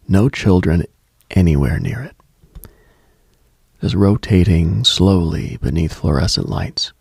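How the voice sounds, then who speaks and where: Deep, gravelly man, late-night radio host. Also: a little mellow, no room sound, studio quality. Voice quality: gravelly, husky, breathy. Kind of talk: slow late-night mystical radio monologue; reflective eerie storytelling.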